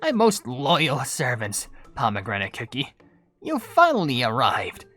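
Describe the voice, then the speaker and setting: A woman's voice: rumbling low, wildly swooping pitch, unhurried, fairly bright tone, exaggerated voice. Game enchantress, magnanimous and queenly, theatrical, very wide melodic swings over music. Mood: regal, grateful. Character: regal dark enchantress cookie, sweetly magnanimous in a dream. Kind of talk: video game cutscene voice acting. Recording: game audio with music behind.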